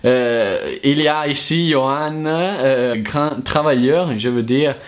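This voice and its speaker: A man's voice: mid-range voice, slow. A man from Italy with an Italian accent, speaking French as a second language in a casual, hesitant monologue full of fillers and restarts. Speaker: language learner vlogger. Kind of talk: casual thank-you monologue.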